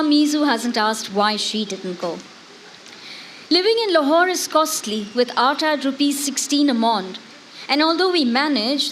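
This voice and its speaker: Devoted, longing wife of a prisoner, played by a woman, higher-pitched, literary and expressive stage letter reading, faint noise behind. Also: low-quality recording. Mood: weary, resigned. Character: devoted, longing wife writing letters to her imprisoned husband. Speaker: dramatic reader. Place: outdoor garden festival stage. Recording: live outdoor festival, faint background noise.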